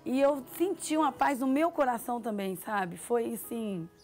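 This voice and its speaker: A woman's voice: fairly high pitch, lively intonation, moderate pace, darkish tone. A woman vividly retelling a personal testimony, often quoting dialogue and asking "sabe?". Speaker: testimony giver. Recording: music underneath.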